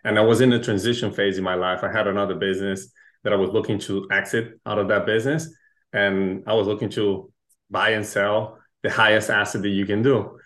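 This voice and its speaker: A man from Chile, a guest speaking earnestly and a little haltingly. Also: fairly low pitch, level tone, a bit bright, rough recording. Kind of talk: casual interview chat.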